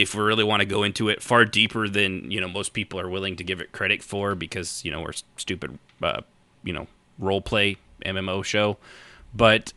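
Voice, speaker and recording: A man's voice: on the low side, sharp tone, no room sound. A man in his late thirties chatting casually as a podcast co-host, rambling and joking with some swearing. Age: late 30s.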